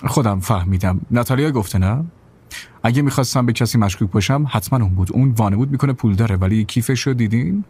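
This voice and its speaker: A man's voice: mid-range voice, darkish tone, breathy edge, close to an everyday voice. An actor dubbing a greedy young nephew who wheedles and dodges questions about his uncle's money. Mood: evasive. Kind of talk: dubbed film dialogue.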